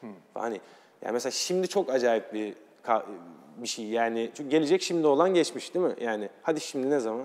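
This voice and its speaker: This man talks at a fairly quick pace with lively intonation. His loudness swings widely. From Turkey, Istanbul. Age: 30s. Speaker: actor. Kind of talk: casual interview chat. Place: studio. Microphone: lapel.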